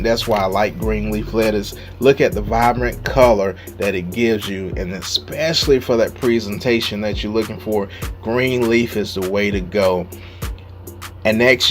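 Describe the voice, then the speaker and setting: A man hosting a casual cooking video, relaxed and chatty, tacking "man" onto most of his sentences. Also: lowish voice. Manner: laid-back, says "man" constantly. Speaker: cooking channel host.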